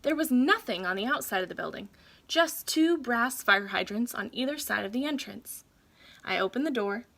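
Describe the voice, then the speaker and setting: A woman reading a children's story aloud like a teacher, with deliberate, dramatic phrasing for young listeners. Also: fairly high pitch, animated, gravelly, fairly bright tone.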